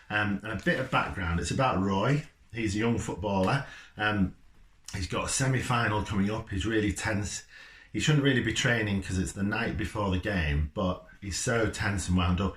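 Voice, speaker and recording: A man who writes children's books, talking informally and reading a story aloud. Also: low voice. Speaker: children's football author. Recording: roomy, echoey indoor sound.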